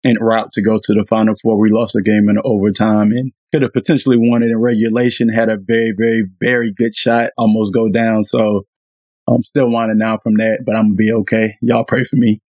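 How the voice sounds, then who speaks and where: A man co-hosting a podcast, voice raspy after the flu, speaking in an earnest, reflective casual chat. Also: lowish voice, level tone, fairly quick, no room sound, lo-fi sound. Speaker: podcast co-host and audio engineer.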